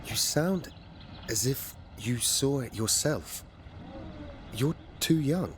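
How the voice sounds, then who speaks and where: An actor playing an earnest, curious warrior in a fantasy video game, questioning and dryly skeptical. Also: male voice, medium pitch, animated, slow, noisy background. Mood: wondering. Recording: long reverb, faint music behind.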